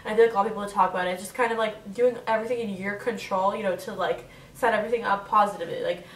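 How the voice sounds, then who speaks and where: Sitting on her bed in the bedroom, this twentysomething vlogger answers questions to camera in a chatty, nasal voice, congested and packed with "like" fillers. She's medium-pitched and steady but very fast. The audio is rough and roomy from a distant mic, with slight background noise.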